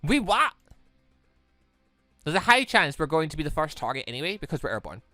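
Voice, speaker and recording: A man hosting a let's play, reading visual novel dialogue aloud in an animated way and reacting excitedly as he goes. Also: a little high, brisk, no room sound, soft background music. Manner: animated, stumbles while reading and exclaims at the story.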